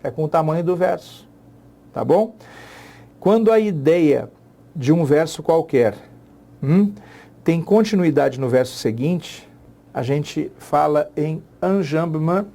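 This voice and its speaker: Man, Brazilian accent, middle-aged, literature teacher, gravelly, slightly high pitch. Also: dark tone. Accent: Brazilian Portuguese. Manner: chatty, repeats key phrases, asks rhetorical check-ins. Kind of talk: exam-prep literature lesson.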